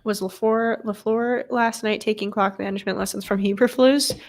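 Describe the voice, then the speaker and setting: Into a desk streaming microphone, a woman with a cold and a blocked nose talks viewers through a football game in loose play-by-play, keeping up with chat and answering it. She's chatty, swears casually, and speaks at a moderate pace in a steady, mid-range voice.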